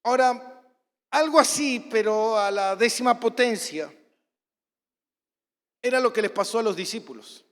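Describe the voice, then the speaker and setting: A man, a pastor with a Rioplatense Argentine accent, preaching a sermon and acting out stories, at times bursting into shouts. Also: extremely high pitch, unhurried, long pauses. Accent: Rioplatense Spanish. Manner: storytelling, acts out scenes, bursts into shouts. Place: church hall. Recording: church hall reverb.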